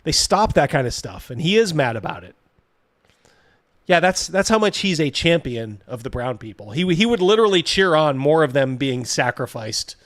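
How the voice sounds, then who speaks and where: A man with a fairly high voice hosts a casual livestream reaction. He talks bluntly and mockingly, swears freely and breaks off to read viewer comments. The sound is close and dry, without room echo. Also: very animated, normal speed, fairly bright tone. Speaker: host of a livestream reacting to a video.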